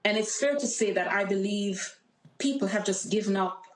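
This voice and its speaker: A woman's voice: mid-range voice, moderate pace. Jamaican woman, emphatic, echoey call audio. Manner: earnest, emphatic campaign talk. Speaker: congressional candidate. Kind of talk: remote interview guest.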